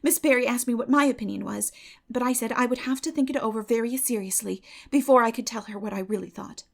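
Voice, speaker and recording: A woman plays an excitable orphan girl from a storybook, high in pitch. She gushes earnestly and dreamily, turning breathy and dramatic when carried away. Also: quick pace. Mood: earnest, chatty. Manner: gushing, dramatic, breathy in rapture.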